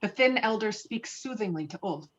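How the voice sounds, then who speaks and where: A woman's voice: mid-range voice, animated, normal speed. A woman narrating the stage directions of a screenplay in an online table read, with muffled lo-fi sound. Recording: muffled lo-fi video call audio.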